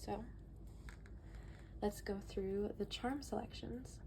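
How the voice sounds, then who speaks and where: Speaking slowly in a creaky, medium-pitched voice, this tarot reader keeps things chatty and relaxed, reading passages from a book aloud. She sounds stuffy-nosed and slightly winded, and background noise is audible.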